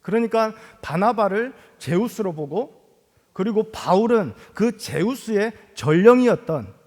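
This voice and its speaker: A pastor with a Gyeongsang accent preaches in a high, lively voice that swings freely up and down. He tells his points as animated stories with touches of humor. His voice carries the long reverb of a large hall. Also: measured pace. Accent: Gyeongsang Korean. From Gyeongsang, South Korea. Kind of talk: sermon. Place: church sanctuary.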